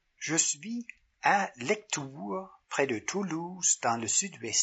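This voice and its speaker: A man with a Danish accent, high-pitched, very slow, with lively intonation. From Denmark. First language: Danish (speaking French). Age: 50s. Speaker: lecturer. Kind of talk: lecture. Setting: small group in a private home. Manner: halting.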